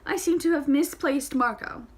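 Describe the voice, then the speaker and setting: A woman doing a brisk, pompous circus impresario. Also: sits high, voice pushed up, lightly acted. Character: fussy pompous older male circus impresario.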